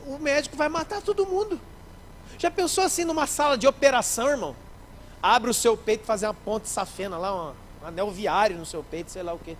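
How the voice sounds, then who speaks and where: A man, a pastor preaching a sermon in church, lively, acting out little scenes and speaking straight to the congregation. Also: sits high, brisk, a little hiss or hum, low-quality recording. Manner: animated, acts out scenes, addresses the congregation directly.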